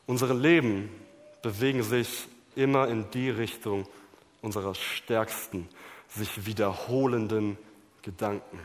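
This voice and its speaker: A man's voice: fairly even intonation, unhurried. Dramatic male preacher in a reverberant hall. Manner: dramatic, swings between loud emphasis and hushed low delivery. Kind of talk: sermon. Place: church hall.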